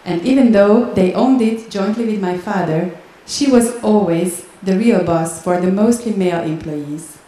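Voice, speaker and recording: Mellow-voiced woman reading in an echoey hall. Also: medium pitch, far from the mic. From Hungary. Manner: steady, deliberate reading. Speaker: spoken-word performer. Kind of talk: reading a personal monologue aloud. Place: large wooden-walled hall. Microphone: stand mic.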